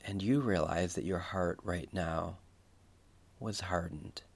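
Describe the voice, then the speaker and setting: A man speaking as a preacher leading a guided Christian meditation, reflective and unhurried, repeating phrases for emphasis. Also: sits low, gravelly, husky.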